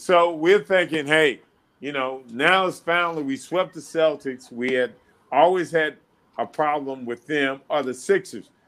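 A plain, everyday voice with an American accent. It moves at a fairly slow pace with ordinary pitch variation. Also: man, fairly high pitch for a man. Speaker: former pro basketball player and coach. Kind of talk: interview.

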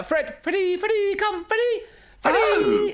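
Putting on a character voice, a man pushes his pitch extremely high. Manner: calling, carrying.

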